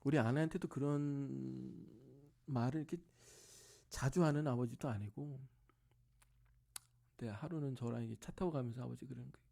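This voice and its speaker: Speaking at a moderate pace with a creaky, mid-range voice and frequent pauses, a middle-aged man preaches in a church sanctuary. He tells a family story from his own life, acting out family members' voices in lively bursts and dropping to a near-whisper when it turns tender.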